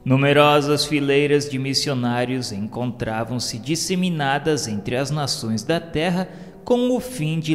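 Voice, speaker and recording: A man with a Brazilian accent reading scripted religious narration for a radio drama in a solemn, formal, measured way. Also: mid-range voice. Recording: long reverb, music underneath. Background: music.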